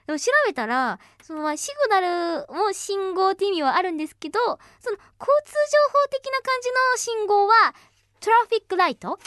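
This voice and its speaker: A woman's voice: very high-pitched, animated, moderate pace, a bit bright, no room sound, clean studio sound. A woman hosting a casual radio show, reading listener letters aloud in a bubbly, chatty way and laughing often.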